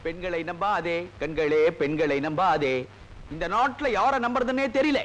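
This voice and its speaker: A man's voice: sits high, normal speed, fairly bright tone, slight background noise, rough recording. An actor playing a bickering comic husband who blusters and teases his wife in a film quarrel. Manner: blustering, teasing. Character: bickering comic husband, boastful and quick to argue.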